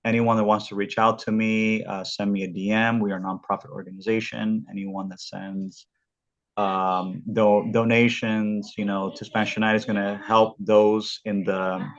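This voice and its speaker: A man with a very low, deep voice hosts a casual interview, stumbling and repeating words as he goes. The recording sounds dull and lo-fi. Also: level tone. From Southern California. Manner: halting, repeats words often. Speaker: podcast host.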